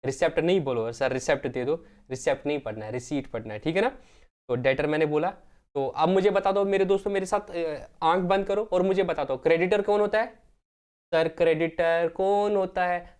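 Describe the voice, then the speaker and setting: A male accounting teacher giving a classroom lecture, repeating key terms and asking and answering his own questions while addressing students as friends. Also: high-pitched. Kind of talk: classroom lecture, Hindi mixed with English terms.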